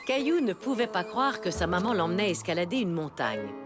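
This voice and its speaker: A woman narrating a scripted children's cartoon story in an expressive storytelling manner. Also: on the low side, fairly quick. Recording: music behind the voice.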